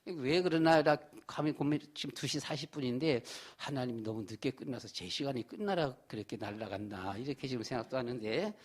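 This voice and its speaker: A man's voice: medium pitch, animated, brisk, hardly any pauses. A middle-aged man, a pastor, preaching a Sunday sermon in a church in a folksy, repetitive way. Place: church sanctuary.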